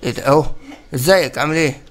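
A young man with an Egyptian accent giving excited, playful commentary while playing a game, teasing and laughing often. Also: a little high, racing. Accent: Egyptian Arabic. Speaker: gaming channel host.

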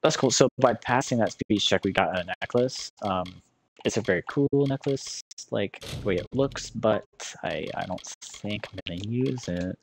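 A man's voice: lowish voice, normal speed, vocal fry, a little hiss or hum. A man giving casual, rambling and slangy gameplay commentary as a let's play host. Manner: laid-back, rambling, slangy. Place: small room indoors with purple lighting. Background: video game music.

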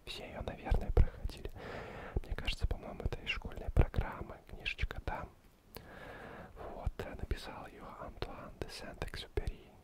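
A man in his thirties from Ukraine whispers softly and breathily, calm, unhurried and lulling, very close to the microphone as he reads and chats as an ASMR host. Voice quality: soft, breathy, indistinct whisper. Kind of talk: whispered ASMR book reading and chat. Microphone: two foam-covered microphones, very close.

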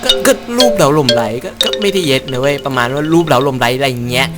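A man hosting a horror game playthrough, talking loud, crude and excitable and shouting whenever something startles him. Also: mid-range voice, fast. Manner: loud, profane and excitable, yelling at scares. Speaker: gaming channel host. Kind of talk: Let's Play commentary. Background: game music.

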